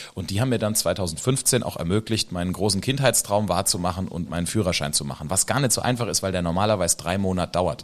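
Talking very fast with hardly any pauses, a man with a very deep, low voice shows ordinary pitch variation. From Ludwigshafen, Palatinate, Germany. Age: 30s. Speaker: tram driver. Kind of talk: casual chat.

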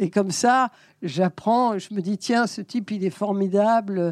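The sound is dry and close with no echo. A woman speaks at a fairly slow pace and medium pitch, with fairly even intonation. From immigrated to France at age 6. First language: other than French (speaking French). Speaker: advertising executive. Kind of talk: mentoring interview. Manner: hesitant.

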